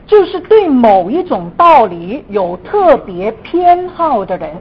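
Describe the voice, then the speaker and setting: A woman from Guangdong, a native Cantonese speaker, speaks Mandarin with a Cantonese accent as a Christian lecturer, mixing in English terms. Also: breathy edge. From Guangdong, China. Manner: frequent sentence particles, mixes in English terms. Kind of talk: church teaching lecture. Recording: dull lo-fi room recording, audible noise, rumble.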